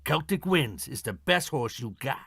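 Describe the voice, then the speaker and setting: A man's voice: medium pitch, sing-song, normal speed, vocal fry, a bit bright, slightly rough, dry recording, studio quality, exaggerated voice. A man acting a stubborn, defensive horse trainer in an audio mystery play, respectful but defiant. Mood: indignant, protective. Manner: defensive, addresses superiors respectfully.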